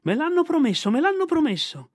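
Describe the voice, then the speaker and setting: A man's voice: extremely high pitch, sing-song, fairly quick, dry recording, studio quality, voice pushed up. A man voicing a cheeky, boastful boy raised in the jungle. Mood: excited, pleading.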